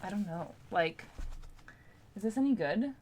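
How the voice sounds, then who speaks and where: A woman's voice: mid-range voice, lively intonation, unhurried, darkish tone, slight background noise. A woman with a Canadian accent chatting casually to viewers as a book vlogger, informal and talkative. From Ontario, Canada. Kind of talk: casual chat to camera.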